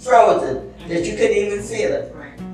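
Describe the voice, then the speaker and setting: A woman's voice with faint background music and audible room echo. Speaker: church elder interviewee. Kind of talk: interview answer. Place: church.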